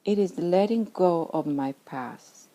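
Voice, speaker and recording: A middle-aged woman from Sweden, whose mother tongue is Swedish and whose accent is Swedish, reads her spiritual memoir slowly in a fairly low, expressive, mellow voice. The reading is earnest and reflective, occasionally falling to a whisper.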